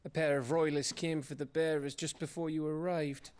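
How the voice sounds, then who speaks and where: Man as battered scout, lighter higher voice, cheeky, sardonic, informal, fantasy game. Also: flat delivery, moderate pace, close to an everyday voice. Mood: weary, sardonic. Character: scrappy, cheeky male scout, battered but defiant. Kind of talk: fantasy video game voice acting. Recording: faint background noise.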